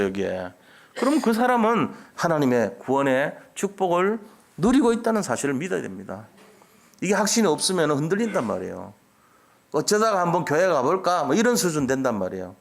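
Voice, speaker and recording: A man's voice: a little high, huge pitch swings, quick pace, gravelly. A man preaching a sermon as pastor, asking his congregation rhetorical questions and acting out the quoted lines. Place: church sanctuary.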